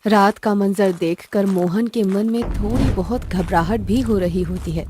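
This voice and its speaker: A woman narrating a cartoon story in a steady storytelling manner. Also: medium pitch, a little slow, noisy background. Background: background music.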